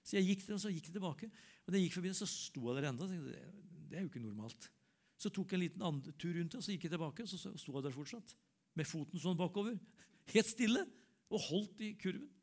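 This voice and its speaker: An older man, preaching and telling a personal story, acting out the dialogue and dropping to a soft, low voice for quoted prayer. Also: animated.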